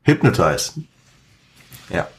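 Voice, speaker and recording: A man's voice: slow pace, slight background noise. A man hosting a podcast, talking in casual commentary with many fillers and self-corrections and English slang mixed in. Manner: mixes English slang into speech. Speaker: podcast host.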